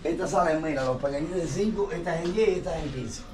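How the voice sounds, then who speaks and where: A man, an artist insistently pitching his work to visitors outdoors. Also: fast. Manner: insistent, salesman-like. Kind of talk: sales pitch. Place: outdoors in a street gallery. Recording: noisy outdoor ambience.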